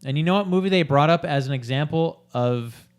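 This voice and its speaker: A man co-hosting a podcast, chatting casually and hesitantly with many pauses and fillers. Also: a little high, smooth. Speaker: podcast co-host. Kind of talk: casual chat.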